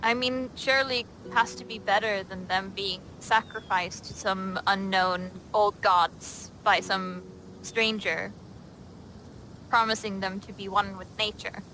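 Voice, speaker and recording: A woman's voice: medium pitch, steady tone, unhurried, pushed and bright, a little hiss or hum, low-quality recording. A woman speaking casually in character as a player in a tabletop roleplay session.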